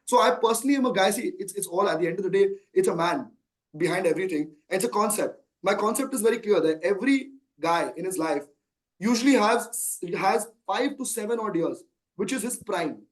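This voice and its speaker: Indian guy exec on earnings call, really quick and high voice, emphatic, goes on at length. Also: animated, low-quality recording. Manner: emphatic, talks at length with rhetorical questions. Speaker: company chief executive. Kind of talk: earnings call question and answer.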